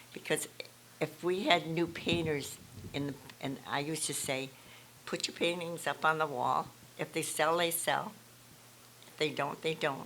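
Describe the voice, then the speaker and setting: Speaking at a moderate pace in a very deep, low voice, a woman keeps fairly even intonation, with long, frequent pauses and big swings in loudness. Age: 90s. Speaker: guest speaker, local community figure. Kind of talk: club talk with Q&A.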